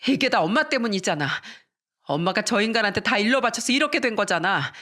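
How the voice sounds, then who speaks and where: A narrator voicing a furious, shrill wife who screams blame at her own mother in a dramatized story reading. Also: sing-song, moderate pace, a bit bright. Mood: furious screaming.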